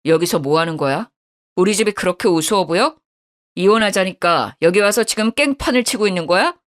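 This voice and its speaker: A woman's voice: lowish voice, lively intonation, a little fast, close to an everyday voice. A woman voicing an angry young husband who harshly accuses his wife, in a storytelling radio drama. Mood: furious.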